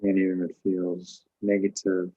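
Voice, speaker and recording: Calm and measured, a meditation teacher and host guides a spiritual meditation, leaving pauses between his phrases. His voice is low and slightly rough with very even intonation, and the sound is lo-fi.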